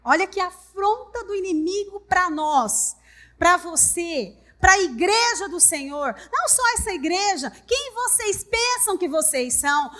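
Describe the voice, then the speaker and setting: A woman pastor with a Brazilian Portuguese accent preaches in a very high, pushed, bright voice. She is emphatic and repeats phrases, speaking directly to her congregation.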